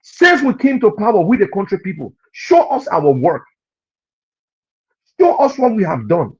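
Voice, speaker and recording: A Liberian man with a Liberian accent delivers heated political commentary in a high, swooping voice. His husky tone comes through dull, lo-fi broadcast audio. He hammers home each point by repeating it. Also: huge pitch swings, normal speed, a little mellow. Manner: preachy, scolding, repeats points for emphasis. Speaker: radio and TV commentator.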